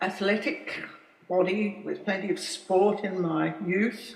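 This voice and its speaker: Speaking at a fairly slow pace with an Australian accent, a woman with a medium pitch is heard amid audible room echo and noticeable background noise. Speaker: voice teacher. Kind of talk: lecture. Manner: halting.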